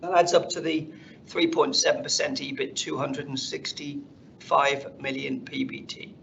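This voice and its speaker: A man speaking as a company finance executive, presenting slides on an earnings call in a measured corporate delivery. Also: medium pitch, steady tone, vocal fry, fairly bright tone. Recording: dull conference call audio, faint noise.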